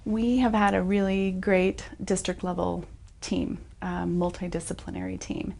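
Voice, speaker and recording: A woman, a district leader, answering interview questions in a measured, steady way. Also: fairly low pitch, gravelly.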